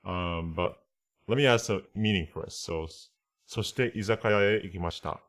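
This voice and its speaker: A man's voice: deep voice, fairly quick, fairly bright tone. A man giving a casual online language lesson as the teacher, thinking aloud and often checking that listeners follow.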